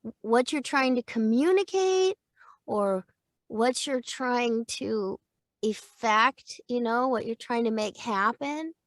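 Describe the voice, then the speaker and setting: A middle-aged woman, a voice-over teacher, chatting in an interview in an animated way, laughing often and acting out example lines. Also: on the high side, slow pace, no room sound, clean studio sound. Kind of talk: casual interview chat.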